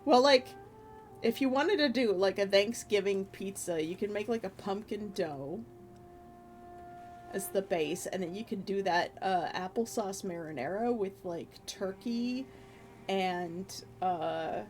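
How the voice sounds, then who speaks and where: A woman's voice: mid-range voice, measured pace, darkish tone, soft background music. Laid-back, rambling woman streamer. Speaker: streamer and artist hosting a live stream. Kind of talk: casual livestream chat.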